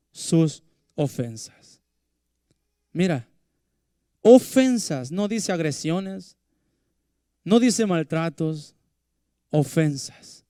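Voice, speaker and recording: Clear-voiced preaching pastor man. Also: a little high, dark tone, no echo, studio quality. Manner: preaching with rhetorical questions and repetition. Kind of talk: sermon.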